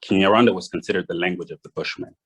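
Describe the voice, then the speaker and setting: A young man from Rwanda giving a prepared address, measured and read from notes with small restarts. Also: low voice, steady tone, husky, rough recording. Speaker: guest speaker.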